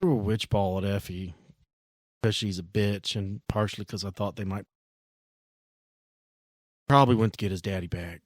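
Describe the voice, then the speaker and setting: A wary young witch with a hushed, rough-edged backwoods way of talking, as a game master puts her on. Her voice sits low and quiet, quicker than the narration around it, in a dry room. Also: fairly even intonation, no room sound, natural voice. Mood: bitter.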